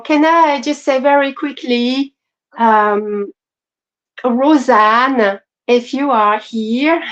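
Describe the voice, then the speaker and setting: A woman with a French accent co-hosting a casual crochet livestream, soft-spoken and apologetic with many fillers. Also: on the high side. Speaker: co-host. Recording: dull lo-fi stream audio.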